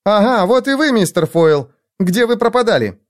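A man's voice: lively intonation, moderate pace, no echo, studio quality. Robin: a man voicing a nervous young woman. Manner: pleading, high-strung.

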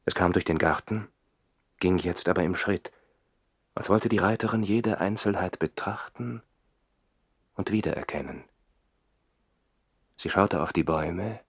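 An actor playing a passionate nobleman who lives in the trees and recalls his love in a measured, literary way, in a 1960s German radio play. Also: sits low, husky, no echo, clean studio sound, heavily acted.

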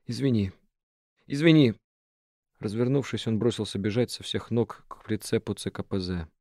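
A man narrating a novel as an audiobook in an even, measured reading voice. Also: fairly low pitch, dry recording, studio quality. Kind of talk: scripted narration.

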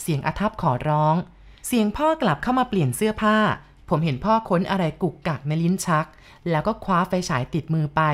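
A woman reading a ghost story aloud in a calm, even storytelling manner. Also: lowish voice. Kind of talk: scripted narration of a ghost story.

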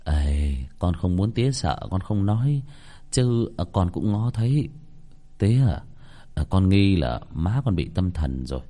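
Một người đàn ông giọng miền Nam đóng vai người con trai trung niên, nói thẳng thắn, hoài nghi. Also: male voice, deep voice, big pitch swings, a little slow, mellow, exaggerated voice. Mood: hesitant. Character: middle-aged son, blunt and skeptical.

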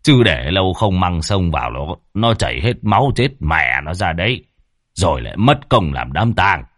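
A man voicing a stern old village exorcist who talks slowly and gruffly. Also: low voice, very animated, a bit bright, no echo, studio quality, heavily acted. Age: older. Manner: slow, gruff, commanding.

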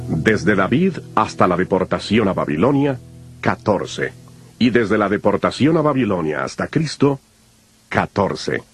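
A man narrating scripture from a script in a solemn, measured storytelling manner. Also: fairly low pitch. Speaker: Bible narrator.

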